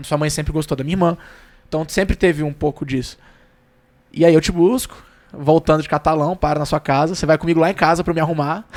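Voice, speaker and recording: Animated and very fast, a man with a fairly high pitch talks between long, frequent pauses, his sound dry and close with no echo. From Brazil, Brasília. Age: 30s. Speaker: teacher and podcast host. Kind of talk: casual chat.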